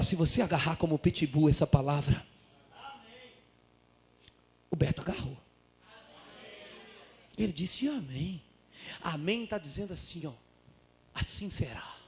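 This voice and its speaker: A pastor preaching to his congregation in a church, swinging from quiet asides to loud shouted lines and calling people up to act out a scene. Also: fairly high pitch, husky. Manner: dramatic preaching with sudden swings from soft to shouting; directs congregation members in a live demonstration. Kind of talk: sermon.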